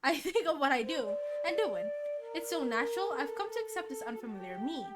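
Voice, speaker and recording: A woman's voice: sits high, very animated, fairly quick. A woman streamer reading a visual novel aloud, mixing dramatic narration with casual, chatty reactions. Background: game music.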